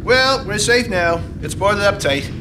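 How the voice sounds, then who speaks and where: Male actor as bullying, cowardly husband, agitated and insistent; extremely high, swooping voice. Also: expressive, unhurried, background noise. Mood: tense, defensive. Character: cowardly, stubborn, bullying middle-aged husband. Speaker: actor in a staged radio play. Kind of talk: radio play acting. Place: theater stage. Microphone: stand microphone. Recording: music behind, live stage.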